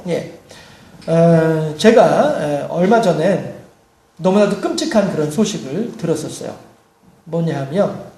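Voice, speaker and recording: A male pastor delivers a sermon in a high voice that rings through an echoey church room. He tells stories, acts out the people in them, and builds to shouted peaks. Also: creaky. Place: church sanctuary.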